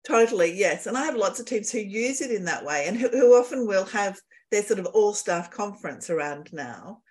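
A woman podcast co-host talks in a mid-pitched voice. She is agreeable and conversational, thinking her points through aloud in a casual style. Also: animated, moderate pace, a little mellow.

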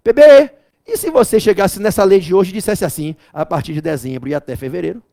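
A man lecturing on law with big theatrical energy, his voice sitting fairly high and swinging widely. There's a gravelly fry in his tone, and he breaks into shouted, chanted memory tricks. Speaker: law teacher.

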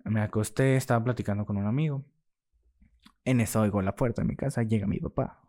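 Young Mexican-accented man, podcast guest, candid and animated storyteller who voices the people in his story. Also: on the low side, fairly quick. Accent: Mexican Spanish. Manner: lively, acts out quoted dialogue, laughs while telling. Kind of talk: casual storytelling in an interview.

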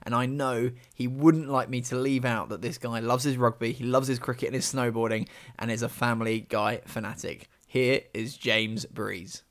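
Enthusiastic guy hosting a podcast, upbeat, laughs a lot, mid-pitched voice. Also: steady tone, moderate pace, few pauses, a bit bright. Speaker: podcast host. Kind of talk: podcast intro and interview.

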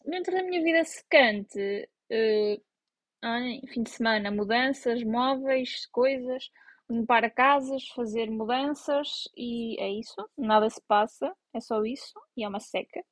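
A young woman with a European Portuguese accent talks to her viewers in a loose, self-mocking way. Her voice sits a little high, and the recording is close and dry, with no room sound. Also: measured pace, dry recording. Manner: chatty, self-mocking, animated. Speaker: vlogger. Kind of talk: casual chat to camera.

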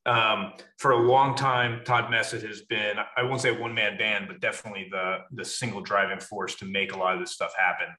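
A man in his late thirties with a low, forceful voice talks through things in a measured, filler-laden way. The sound is roomy and echoey. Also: level tone. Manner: explains at length, measured, frequent fillers. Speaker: guest, wrestling club officer. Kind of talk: casual podcast interview.

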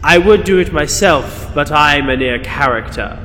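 Man playing a slow, theatrical pantomime wizard. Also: fairly high pitch, pushed and bright. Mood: musing, theatrical. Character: Merlin, theatrical male wizard, hesitant and scheming. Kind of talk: pantomime radio acting. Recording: long hall reverb, music underneath.

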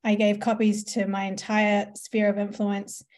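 Unhurried and monotone, with a darkish medium-pitched voice, a woman from New Zealand recounts her business journey as a podcast guest. The marketing entrepreneur keeps it conversational, often laughing and saying um.

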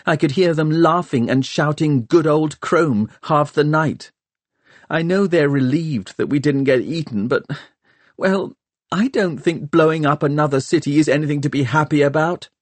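A man's voice: a little high, moderate pace, no room sound, voice pushed up, natural voice. A man voicing an impassioned young woman. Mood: bitter. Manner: urgent, impassioned. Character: earnest, indignant young woman.

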